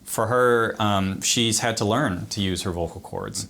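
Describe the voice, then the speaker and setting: A man with a very low voice, a doctor explaining a medical procedure in an interview. He talks plainly, walking through each step. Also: unhurried, creaky, fairly bright tone.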